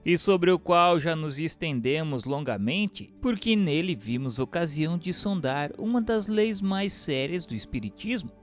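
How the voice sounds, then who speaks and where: A man giving a measured, formal reading of a spiritist book as narrator. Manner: measured, formal reading with lively pitch swings. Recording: reading with faint music underneath.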